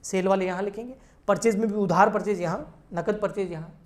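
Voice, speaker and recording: A woman's voice: mid-range voice, steady tone, brisk, a little mellow. A woman teaching an exam-prep accountancy lecture. She explains patiently, keeps checking that students follow, and addresses them in a familiar way.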